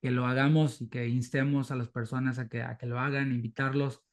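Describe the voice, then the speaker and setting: A man with a Mexican Spanish accent interviewing a guest, speaking reflectively with halting false starts and repeated words. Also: medium pitch, flat delivery. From southern Mexico. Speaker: church interviewer.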